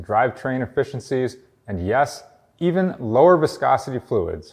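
A man talks at a moderate pace against a quiet background. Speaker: host of automotive oil video. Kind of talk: scripted explainer. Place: studio.

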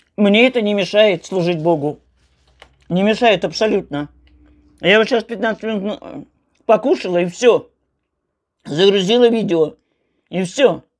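A woman speaks at a fairly slow pace with ordinary pitch variation and long, frequent pauses. Her loudness swings a lot against a quiet background. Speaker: home vlogger. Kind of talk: casual vlog chat while eating. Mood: animated, indignant. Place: home room. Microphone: lapel.

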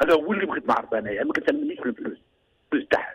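A man speaks at a very fast pace. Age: 50s. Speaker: caller. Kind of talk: call-in question.

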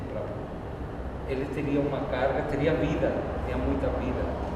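A man is speaking with audible room echo. Loud background noise runs behind him. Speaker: theater workshop instructor. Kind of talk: critique feedback to a student. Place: hall. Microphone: camera far.

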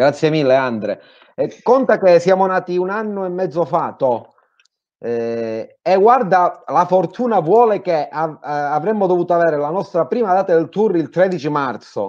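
Against a quiet background, a man with a high pitch talks at a fairly slow pace with lively intonation. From Calabria, southern Italy (Cosenza); Calabria. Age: 40s. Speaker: punk drummer and festival organizer; guest. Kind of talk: casual interview. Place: home room. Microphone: video call.

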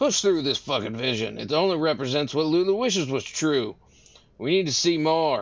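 A man talks in a put-on character voice, pitched fairly high. His pace is moderate. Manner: commanding, telepathic voice.

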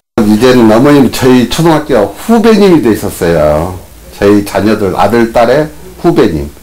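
His pitch leaping very widely, a man talks at a moderate speed. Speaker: interviewee, youngest son. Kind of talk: interview answer. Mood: proud, warm. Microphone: lapel.

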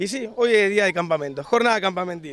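The speaker is a man. He talks at a moderate pace. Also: dry sound with no echo. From Argentina. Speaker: summer camp coordinator; teacher. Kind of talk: interview. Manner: hesitant. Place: garden. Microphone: handheld.

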